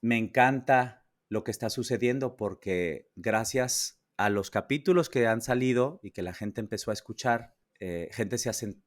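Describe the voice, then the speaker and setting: A man's voice: medium pitch, normal speed, hardly any pauses. A Mexican man hosting a podcast interview in a casual, hesitant way, with many fillers and restarts. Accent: Mexican Spanish. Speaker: podcast host. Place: New York.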